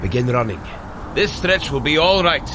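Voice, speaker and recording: An actor playing a hearty, confident warrior god who coaches with formal, commanding speech in an audio adventure. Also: male voice, mid-range voice, sing-song, normal speed, background noise, natural voice. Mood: steady, encouraging. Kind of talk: scripted audio adventure acting.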